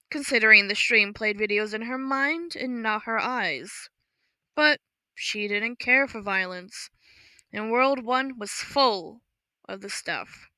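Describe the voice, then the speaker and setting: A woman narrating a story from a script in a measured, even way on a close mic. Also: on the high side, dry recording. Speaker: audiobook narrator.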